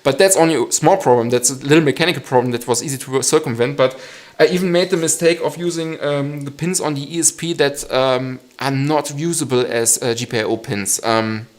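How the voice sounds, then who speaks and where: A man's voice: medium pitch, fairly quick. A man in his thirties from western Germany with a German accent, hosting a casual live stream Q&A, hesitant with many ums and frequent chuckles.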